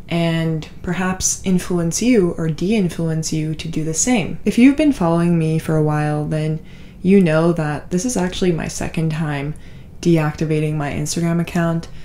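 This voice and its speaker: Noticeable background noise runs behind a woman speaking at a moderate pace, fairly low in pitch with ordinary pitch variation. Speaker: vlogger. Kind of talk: casual vlog monologue.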